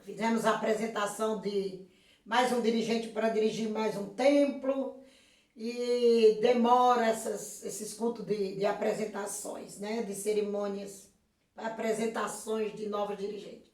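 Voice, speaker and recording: A hoarse woman pastor from Brazil giving a slow, emphatic sermon-style video message, with frequent praise interjections. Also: medium pitch, fairly even intonation, a little mellow. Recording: echoey room, voice from a distance.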